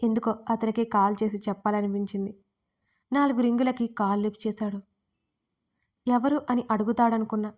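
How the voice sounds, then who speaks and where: A woman's voice: fairly high pitch, fairly even intonation, fairly quick, long pauses, a little mellow. A woman narrating a first-person audio story in an earnest, emotional way.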